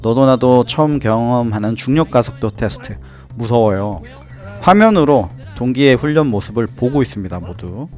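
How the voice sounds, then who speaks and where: A man narrates in a casual explanatory style, at an average pitch. He dramatizes playfully and throws out rhetorical questions. Faint music plays behind his voice. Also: lively intonation, normal speed. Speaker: host and narrator, former pilot trainee.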